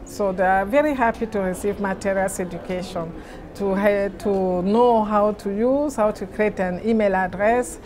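Middle-aged Cameroonian-accented woman, mid-pitched, interviewee with halting, word-searching delivery. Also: fairly even intonation, crowd noise. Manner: halting, searching for words in non-native English. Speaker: interviewee, NGO president. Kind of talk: interview answers. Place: large indoor conference venue lobby.

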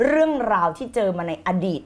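A woman teaching the law of attraction on a live stream, energetic and emphatic, repeating key phrases and slipping in English words. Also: on the high side, fairly quick. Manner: mixes in English words, blunt slang.

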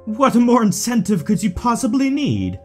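A man's voice: very high-pitched, wildly swooping pitch, moderate pace, soft background music, exaggerated voice. A man playing a suave, theatrical villain in an audio drama, taunting his rival with mock affection. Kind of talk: fan audio drama acting.

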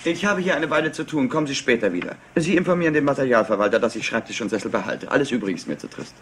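An actor playing an evasive, high-strung young business heir in a German crime radio play, smooth-talking and impatient. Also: male voice, rapid-fire, close to an everyday voice. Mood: impatient, dismissive. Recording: noisy retro radio play.

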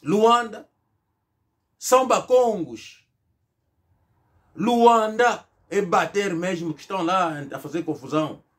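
A man's voice: high voice, slow pace, long pauses, fairly bright tone. A middle-aged man from Angola gives an emphatic political commentary to camera, mocking imagined replies in a rhetorical monologue from a small room. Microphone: fixed camera, seated at medium distance.

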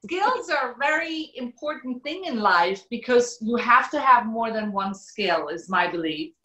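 A woman's voice: a little high, animated, a little slow, pushed and bright. A middle-aged woman from Switzerland, a guest telling her story plainly on a casual video call from home. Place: home room. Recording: echoey room on a video call.

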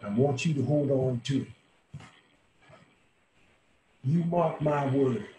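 A man's voice: mid-range voice, moderate pace, dark tone, close to an everyday voice. An actor in his sixties playing a dying, world-weary old bar owner in a folksy, salty, intimate dramatic monologue. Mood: wistful, resolute. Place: small room at home, indoors. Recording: roomy home webcam audio, faint hiss.

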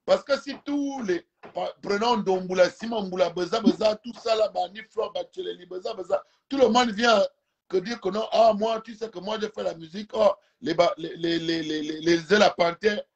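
A man's voice: sits high, normal speed, gravelly. A man from Gabon whose first language is Fang, talking emphatically on a phone video call while lying on a couch, often repeating words as he searches for them. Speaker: live stream guest. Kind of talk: casual debate over a video call. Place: indoors, lying on a couch at home. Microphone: phone camera held close.

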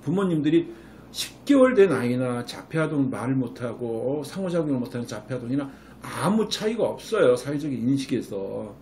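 A middle-aged man, a clinic director, lectures parents on raising children, animated, acting out what a mother might say. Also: medium pitch, fairly quick, slight background noise. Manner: animated, acts out a mother's voice when quoting. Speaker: Korean medicine clinic director giving parenting advice.

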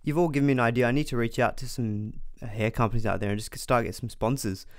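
A man's voice: medium pitch, steady tone, fast talker, no room sound. Thirties male host, mild cold congestion, casual chatty delivery, dry close sound. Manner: chatty, reads viewer comments aloud, frequent restarts. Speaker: fantasy sports live stream host. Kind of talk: casual live stream chat.

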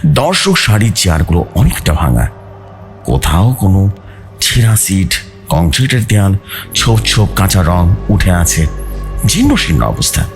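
Man, low voice, sweeping intonation, suspenseful horror narration, prominent music underneath. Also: very animated, moderate pace, long pauses. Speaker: horror storyteller. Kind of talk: dramatic scripted horror narration, read aloud. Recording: music bed behind the voice.

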